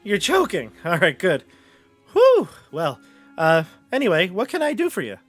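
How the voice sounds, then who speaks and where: A man's voice: high-pitched, wildly swooping pitch, normal speed, a bit bright, husky, no echo, soft background music, pitched above the performer's own voice, exaggerated voice. Man playing a frightened, stammering shopkeeper. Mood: uneasily obliging. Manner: stammering, pleading, evasive. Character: nervous, frightened, innocent male rug shopkeeper.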